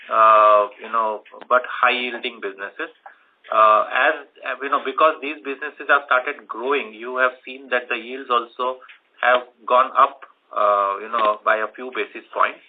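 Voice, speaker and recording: An executive man with an Indian accent explains figures on an earnings call. He talks in a halting, unscripted way with frequent "you know". The sound is narrow and phone-like. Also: mid-range voice. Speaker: company executive answering analysts. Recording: muffled narrowband phone conference line.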